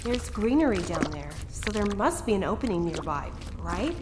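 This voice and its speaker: A woman's voice: mid-range voice, big pitch swings, moderate pace, echoey room, long reverb tail, background noise, close to an everyday voice. A woman playing an earnest, determined idealist in an audio drama, speaking with an insistent manner. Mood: anxious, curious.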